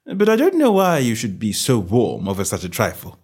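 A man voicing a shrewd gentleman detective in a story reading, self-assured and genteel with a careless, goading manner. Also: mid-range voice, wildly swooping pitch, brisk, husky.

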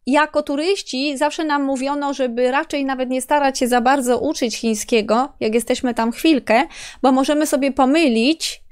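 A woman's voice: high-pitched, fairly even intonation, moderate pace. A woman interviewing a guest, chatty and given to laughing. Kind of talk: casual interview talk.

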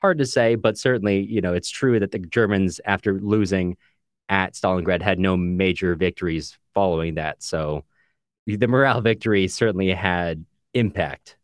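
A man's voice: deep voice, moderate pace, no room sound, clean studio sound. A man co-hosting a book discussion podcast in a casual, chatty way, sometimes reading out listener comments. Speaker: podcast co-host.

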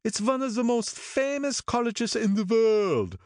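Gloomy old gangster Wolfsheim. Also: male voice, very high-pitched, expressive, darkish tone, dry recording, studio quality, pitched above the performer's own voice, exaggerated voice. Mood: self-satisfied. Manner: slow, brooding, drawn-out delivery. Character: older male gangster, gloomy, sentimental, self-important.

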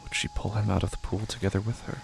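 A man reading scripted, literary narration for a horror audio drama in a measured, brooding way. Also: on the low side, fairly even intonation, gravelly, heavy background noise.

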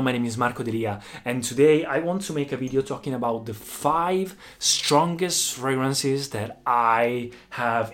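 A man in his twenties from Italy with an Italian accent, native Italian speaker, reviewing fragrances in English in a casual, enthusiastic, emphatic way. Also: medium pitch. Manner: enthusiastic, emphatic, drawn-out phrasing.

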